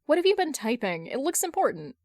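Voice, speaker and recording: A woman's voice: high voice, sing-song, a little fast, a little mellow, no room sound, studio quality, voice pushed up. A woman voicing a hapless, exasperated grown man who gets defensive and flustered, in a fan fiction reading.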